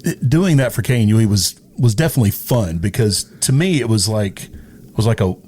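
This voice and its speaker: A man's voice: lowish voice, expressive, brisk, a little mellow. A middle-aged man from East Texas chatting casually as an interview guest, repeating words as he thinks his way through memories. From East Texas, United States. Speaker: interview guest, radio personality. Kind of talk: casual chat, reminiscing. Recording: noticeable background noise.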